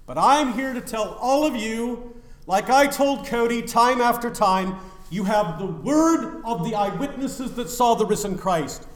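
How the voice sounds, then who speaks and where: A male pastor with a very high voice preaches an animated, emphatic sermon at an unhurried pace. He swings between loud declarations and sudden quiet drops, surrounded by a roomy church echo.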